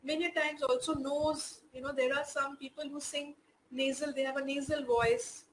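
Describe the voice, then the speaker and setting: High-voiced Indian woman teaching. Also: level tone, normal speed, rough recording. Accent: Indian English. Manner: explanatory, many "you know" fillers. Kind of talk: online class lesson.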